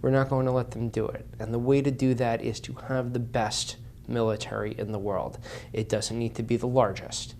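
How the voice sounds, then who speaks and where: A man's voice: mid-range voice, level tone, moderate pace, creaky, darkish tone, slight background noise. Impassioned man, earnest interview guest. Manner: impassioned, repeats phrases for emphasis.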